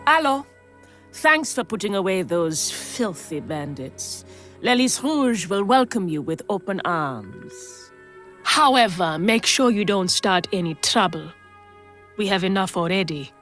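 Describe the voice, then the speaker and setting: Brothel madam, game role: sardonic, worldly, protective, theatrical delivery in a medium register over faint music. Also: female voice, mid-range voice, expressive, unhurried, fairly bright tone. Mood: welcoming. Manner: theatrical, wry, coaxing. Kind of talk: scripted game dialogue.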